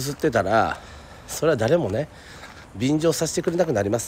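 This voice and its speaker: A man's voice over light background noise. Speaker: livestreamer. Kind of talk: casual vlog chat reading and answering viewer comments. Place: street. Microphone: phone near.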